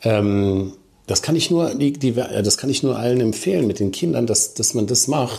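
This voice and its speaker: On a very clean recording with a silent background, a man with a somewhat breathy voice speaks at a medium pitch and a fairly slow pace. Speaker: podcast co-host, airline pilot. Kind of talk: casual chat.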